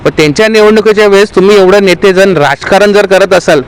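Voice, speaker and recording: A man's voice: high voice, quick pace, clear, resonant tone, low-quality recording. A man, a local party official, making an earnest, aggrieved statement to the press and appealing to party workers.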